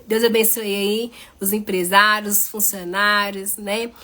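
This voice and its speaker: A woman's voice: mid-range voice, flat delivery, unhurried, bright, forceful tone. A woman preacher leading a fervent live prayer, repeating "Father" through every phrase, then blessing her viewers. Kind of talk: warm closing blessing to viewers. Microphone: live stream.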